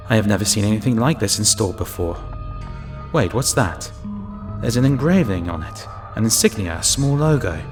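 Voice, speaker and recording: A man's voice: on the low side, creaky. A man playing a wary lone inspector who narrates and acts out his ordeal in an audio drama, tense and dramatic. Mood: puzzled. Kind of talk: first-person audio drama narration and acting.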